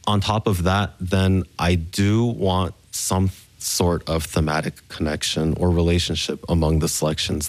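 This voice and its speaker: A young man from Memphis, a concert pianist, giving measured, thoughtful answers in a radio studio interview. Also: low-pitched, darkish tone, no echo. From Memphis, Tennessee, USA. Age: young adult.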